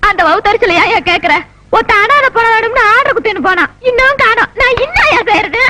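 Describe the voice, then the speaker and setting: An actress playing a sharp-tongued, bossy poor village woman in an old film comedy. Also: extremely high pitch, lively intonation, a little fast, a little hiss or hum, heavily acted. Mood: scolding. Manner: scolding, bossy. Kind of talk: 1980s Tamil film comedy.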